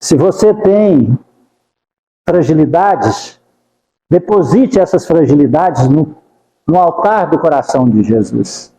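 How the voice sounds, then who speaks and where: A man with a high, mellow voice gives a devotional talk. He speaks in fervent, pleading prayers and keeps repeating the name of Jesus. His voice rings through a roomy hall with a long reverb. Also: animated, slow, pauses often. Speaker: spiritist lecturer. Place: spiritist center hall.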